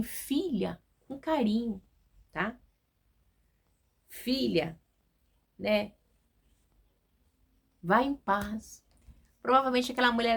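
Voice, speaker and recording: A woman with a Brazilian Portuguese accent giving a casual devotional Bible study, reading scripture aloud and checking in with her listeners in a conversational way. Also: medium pitch. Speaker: Bible teacher.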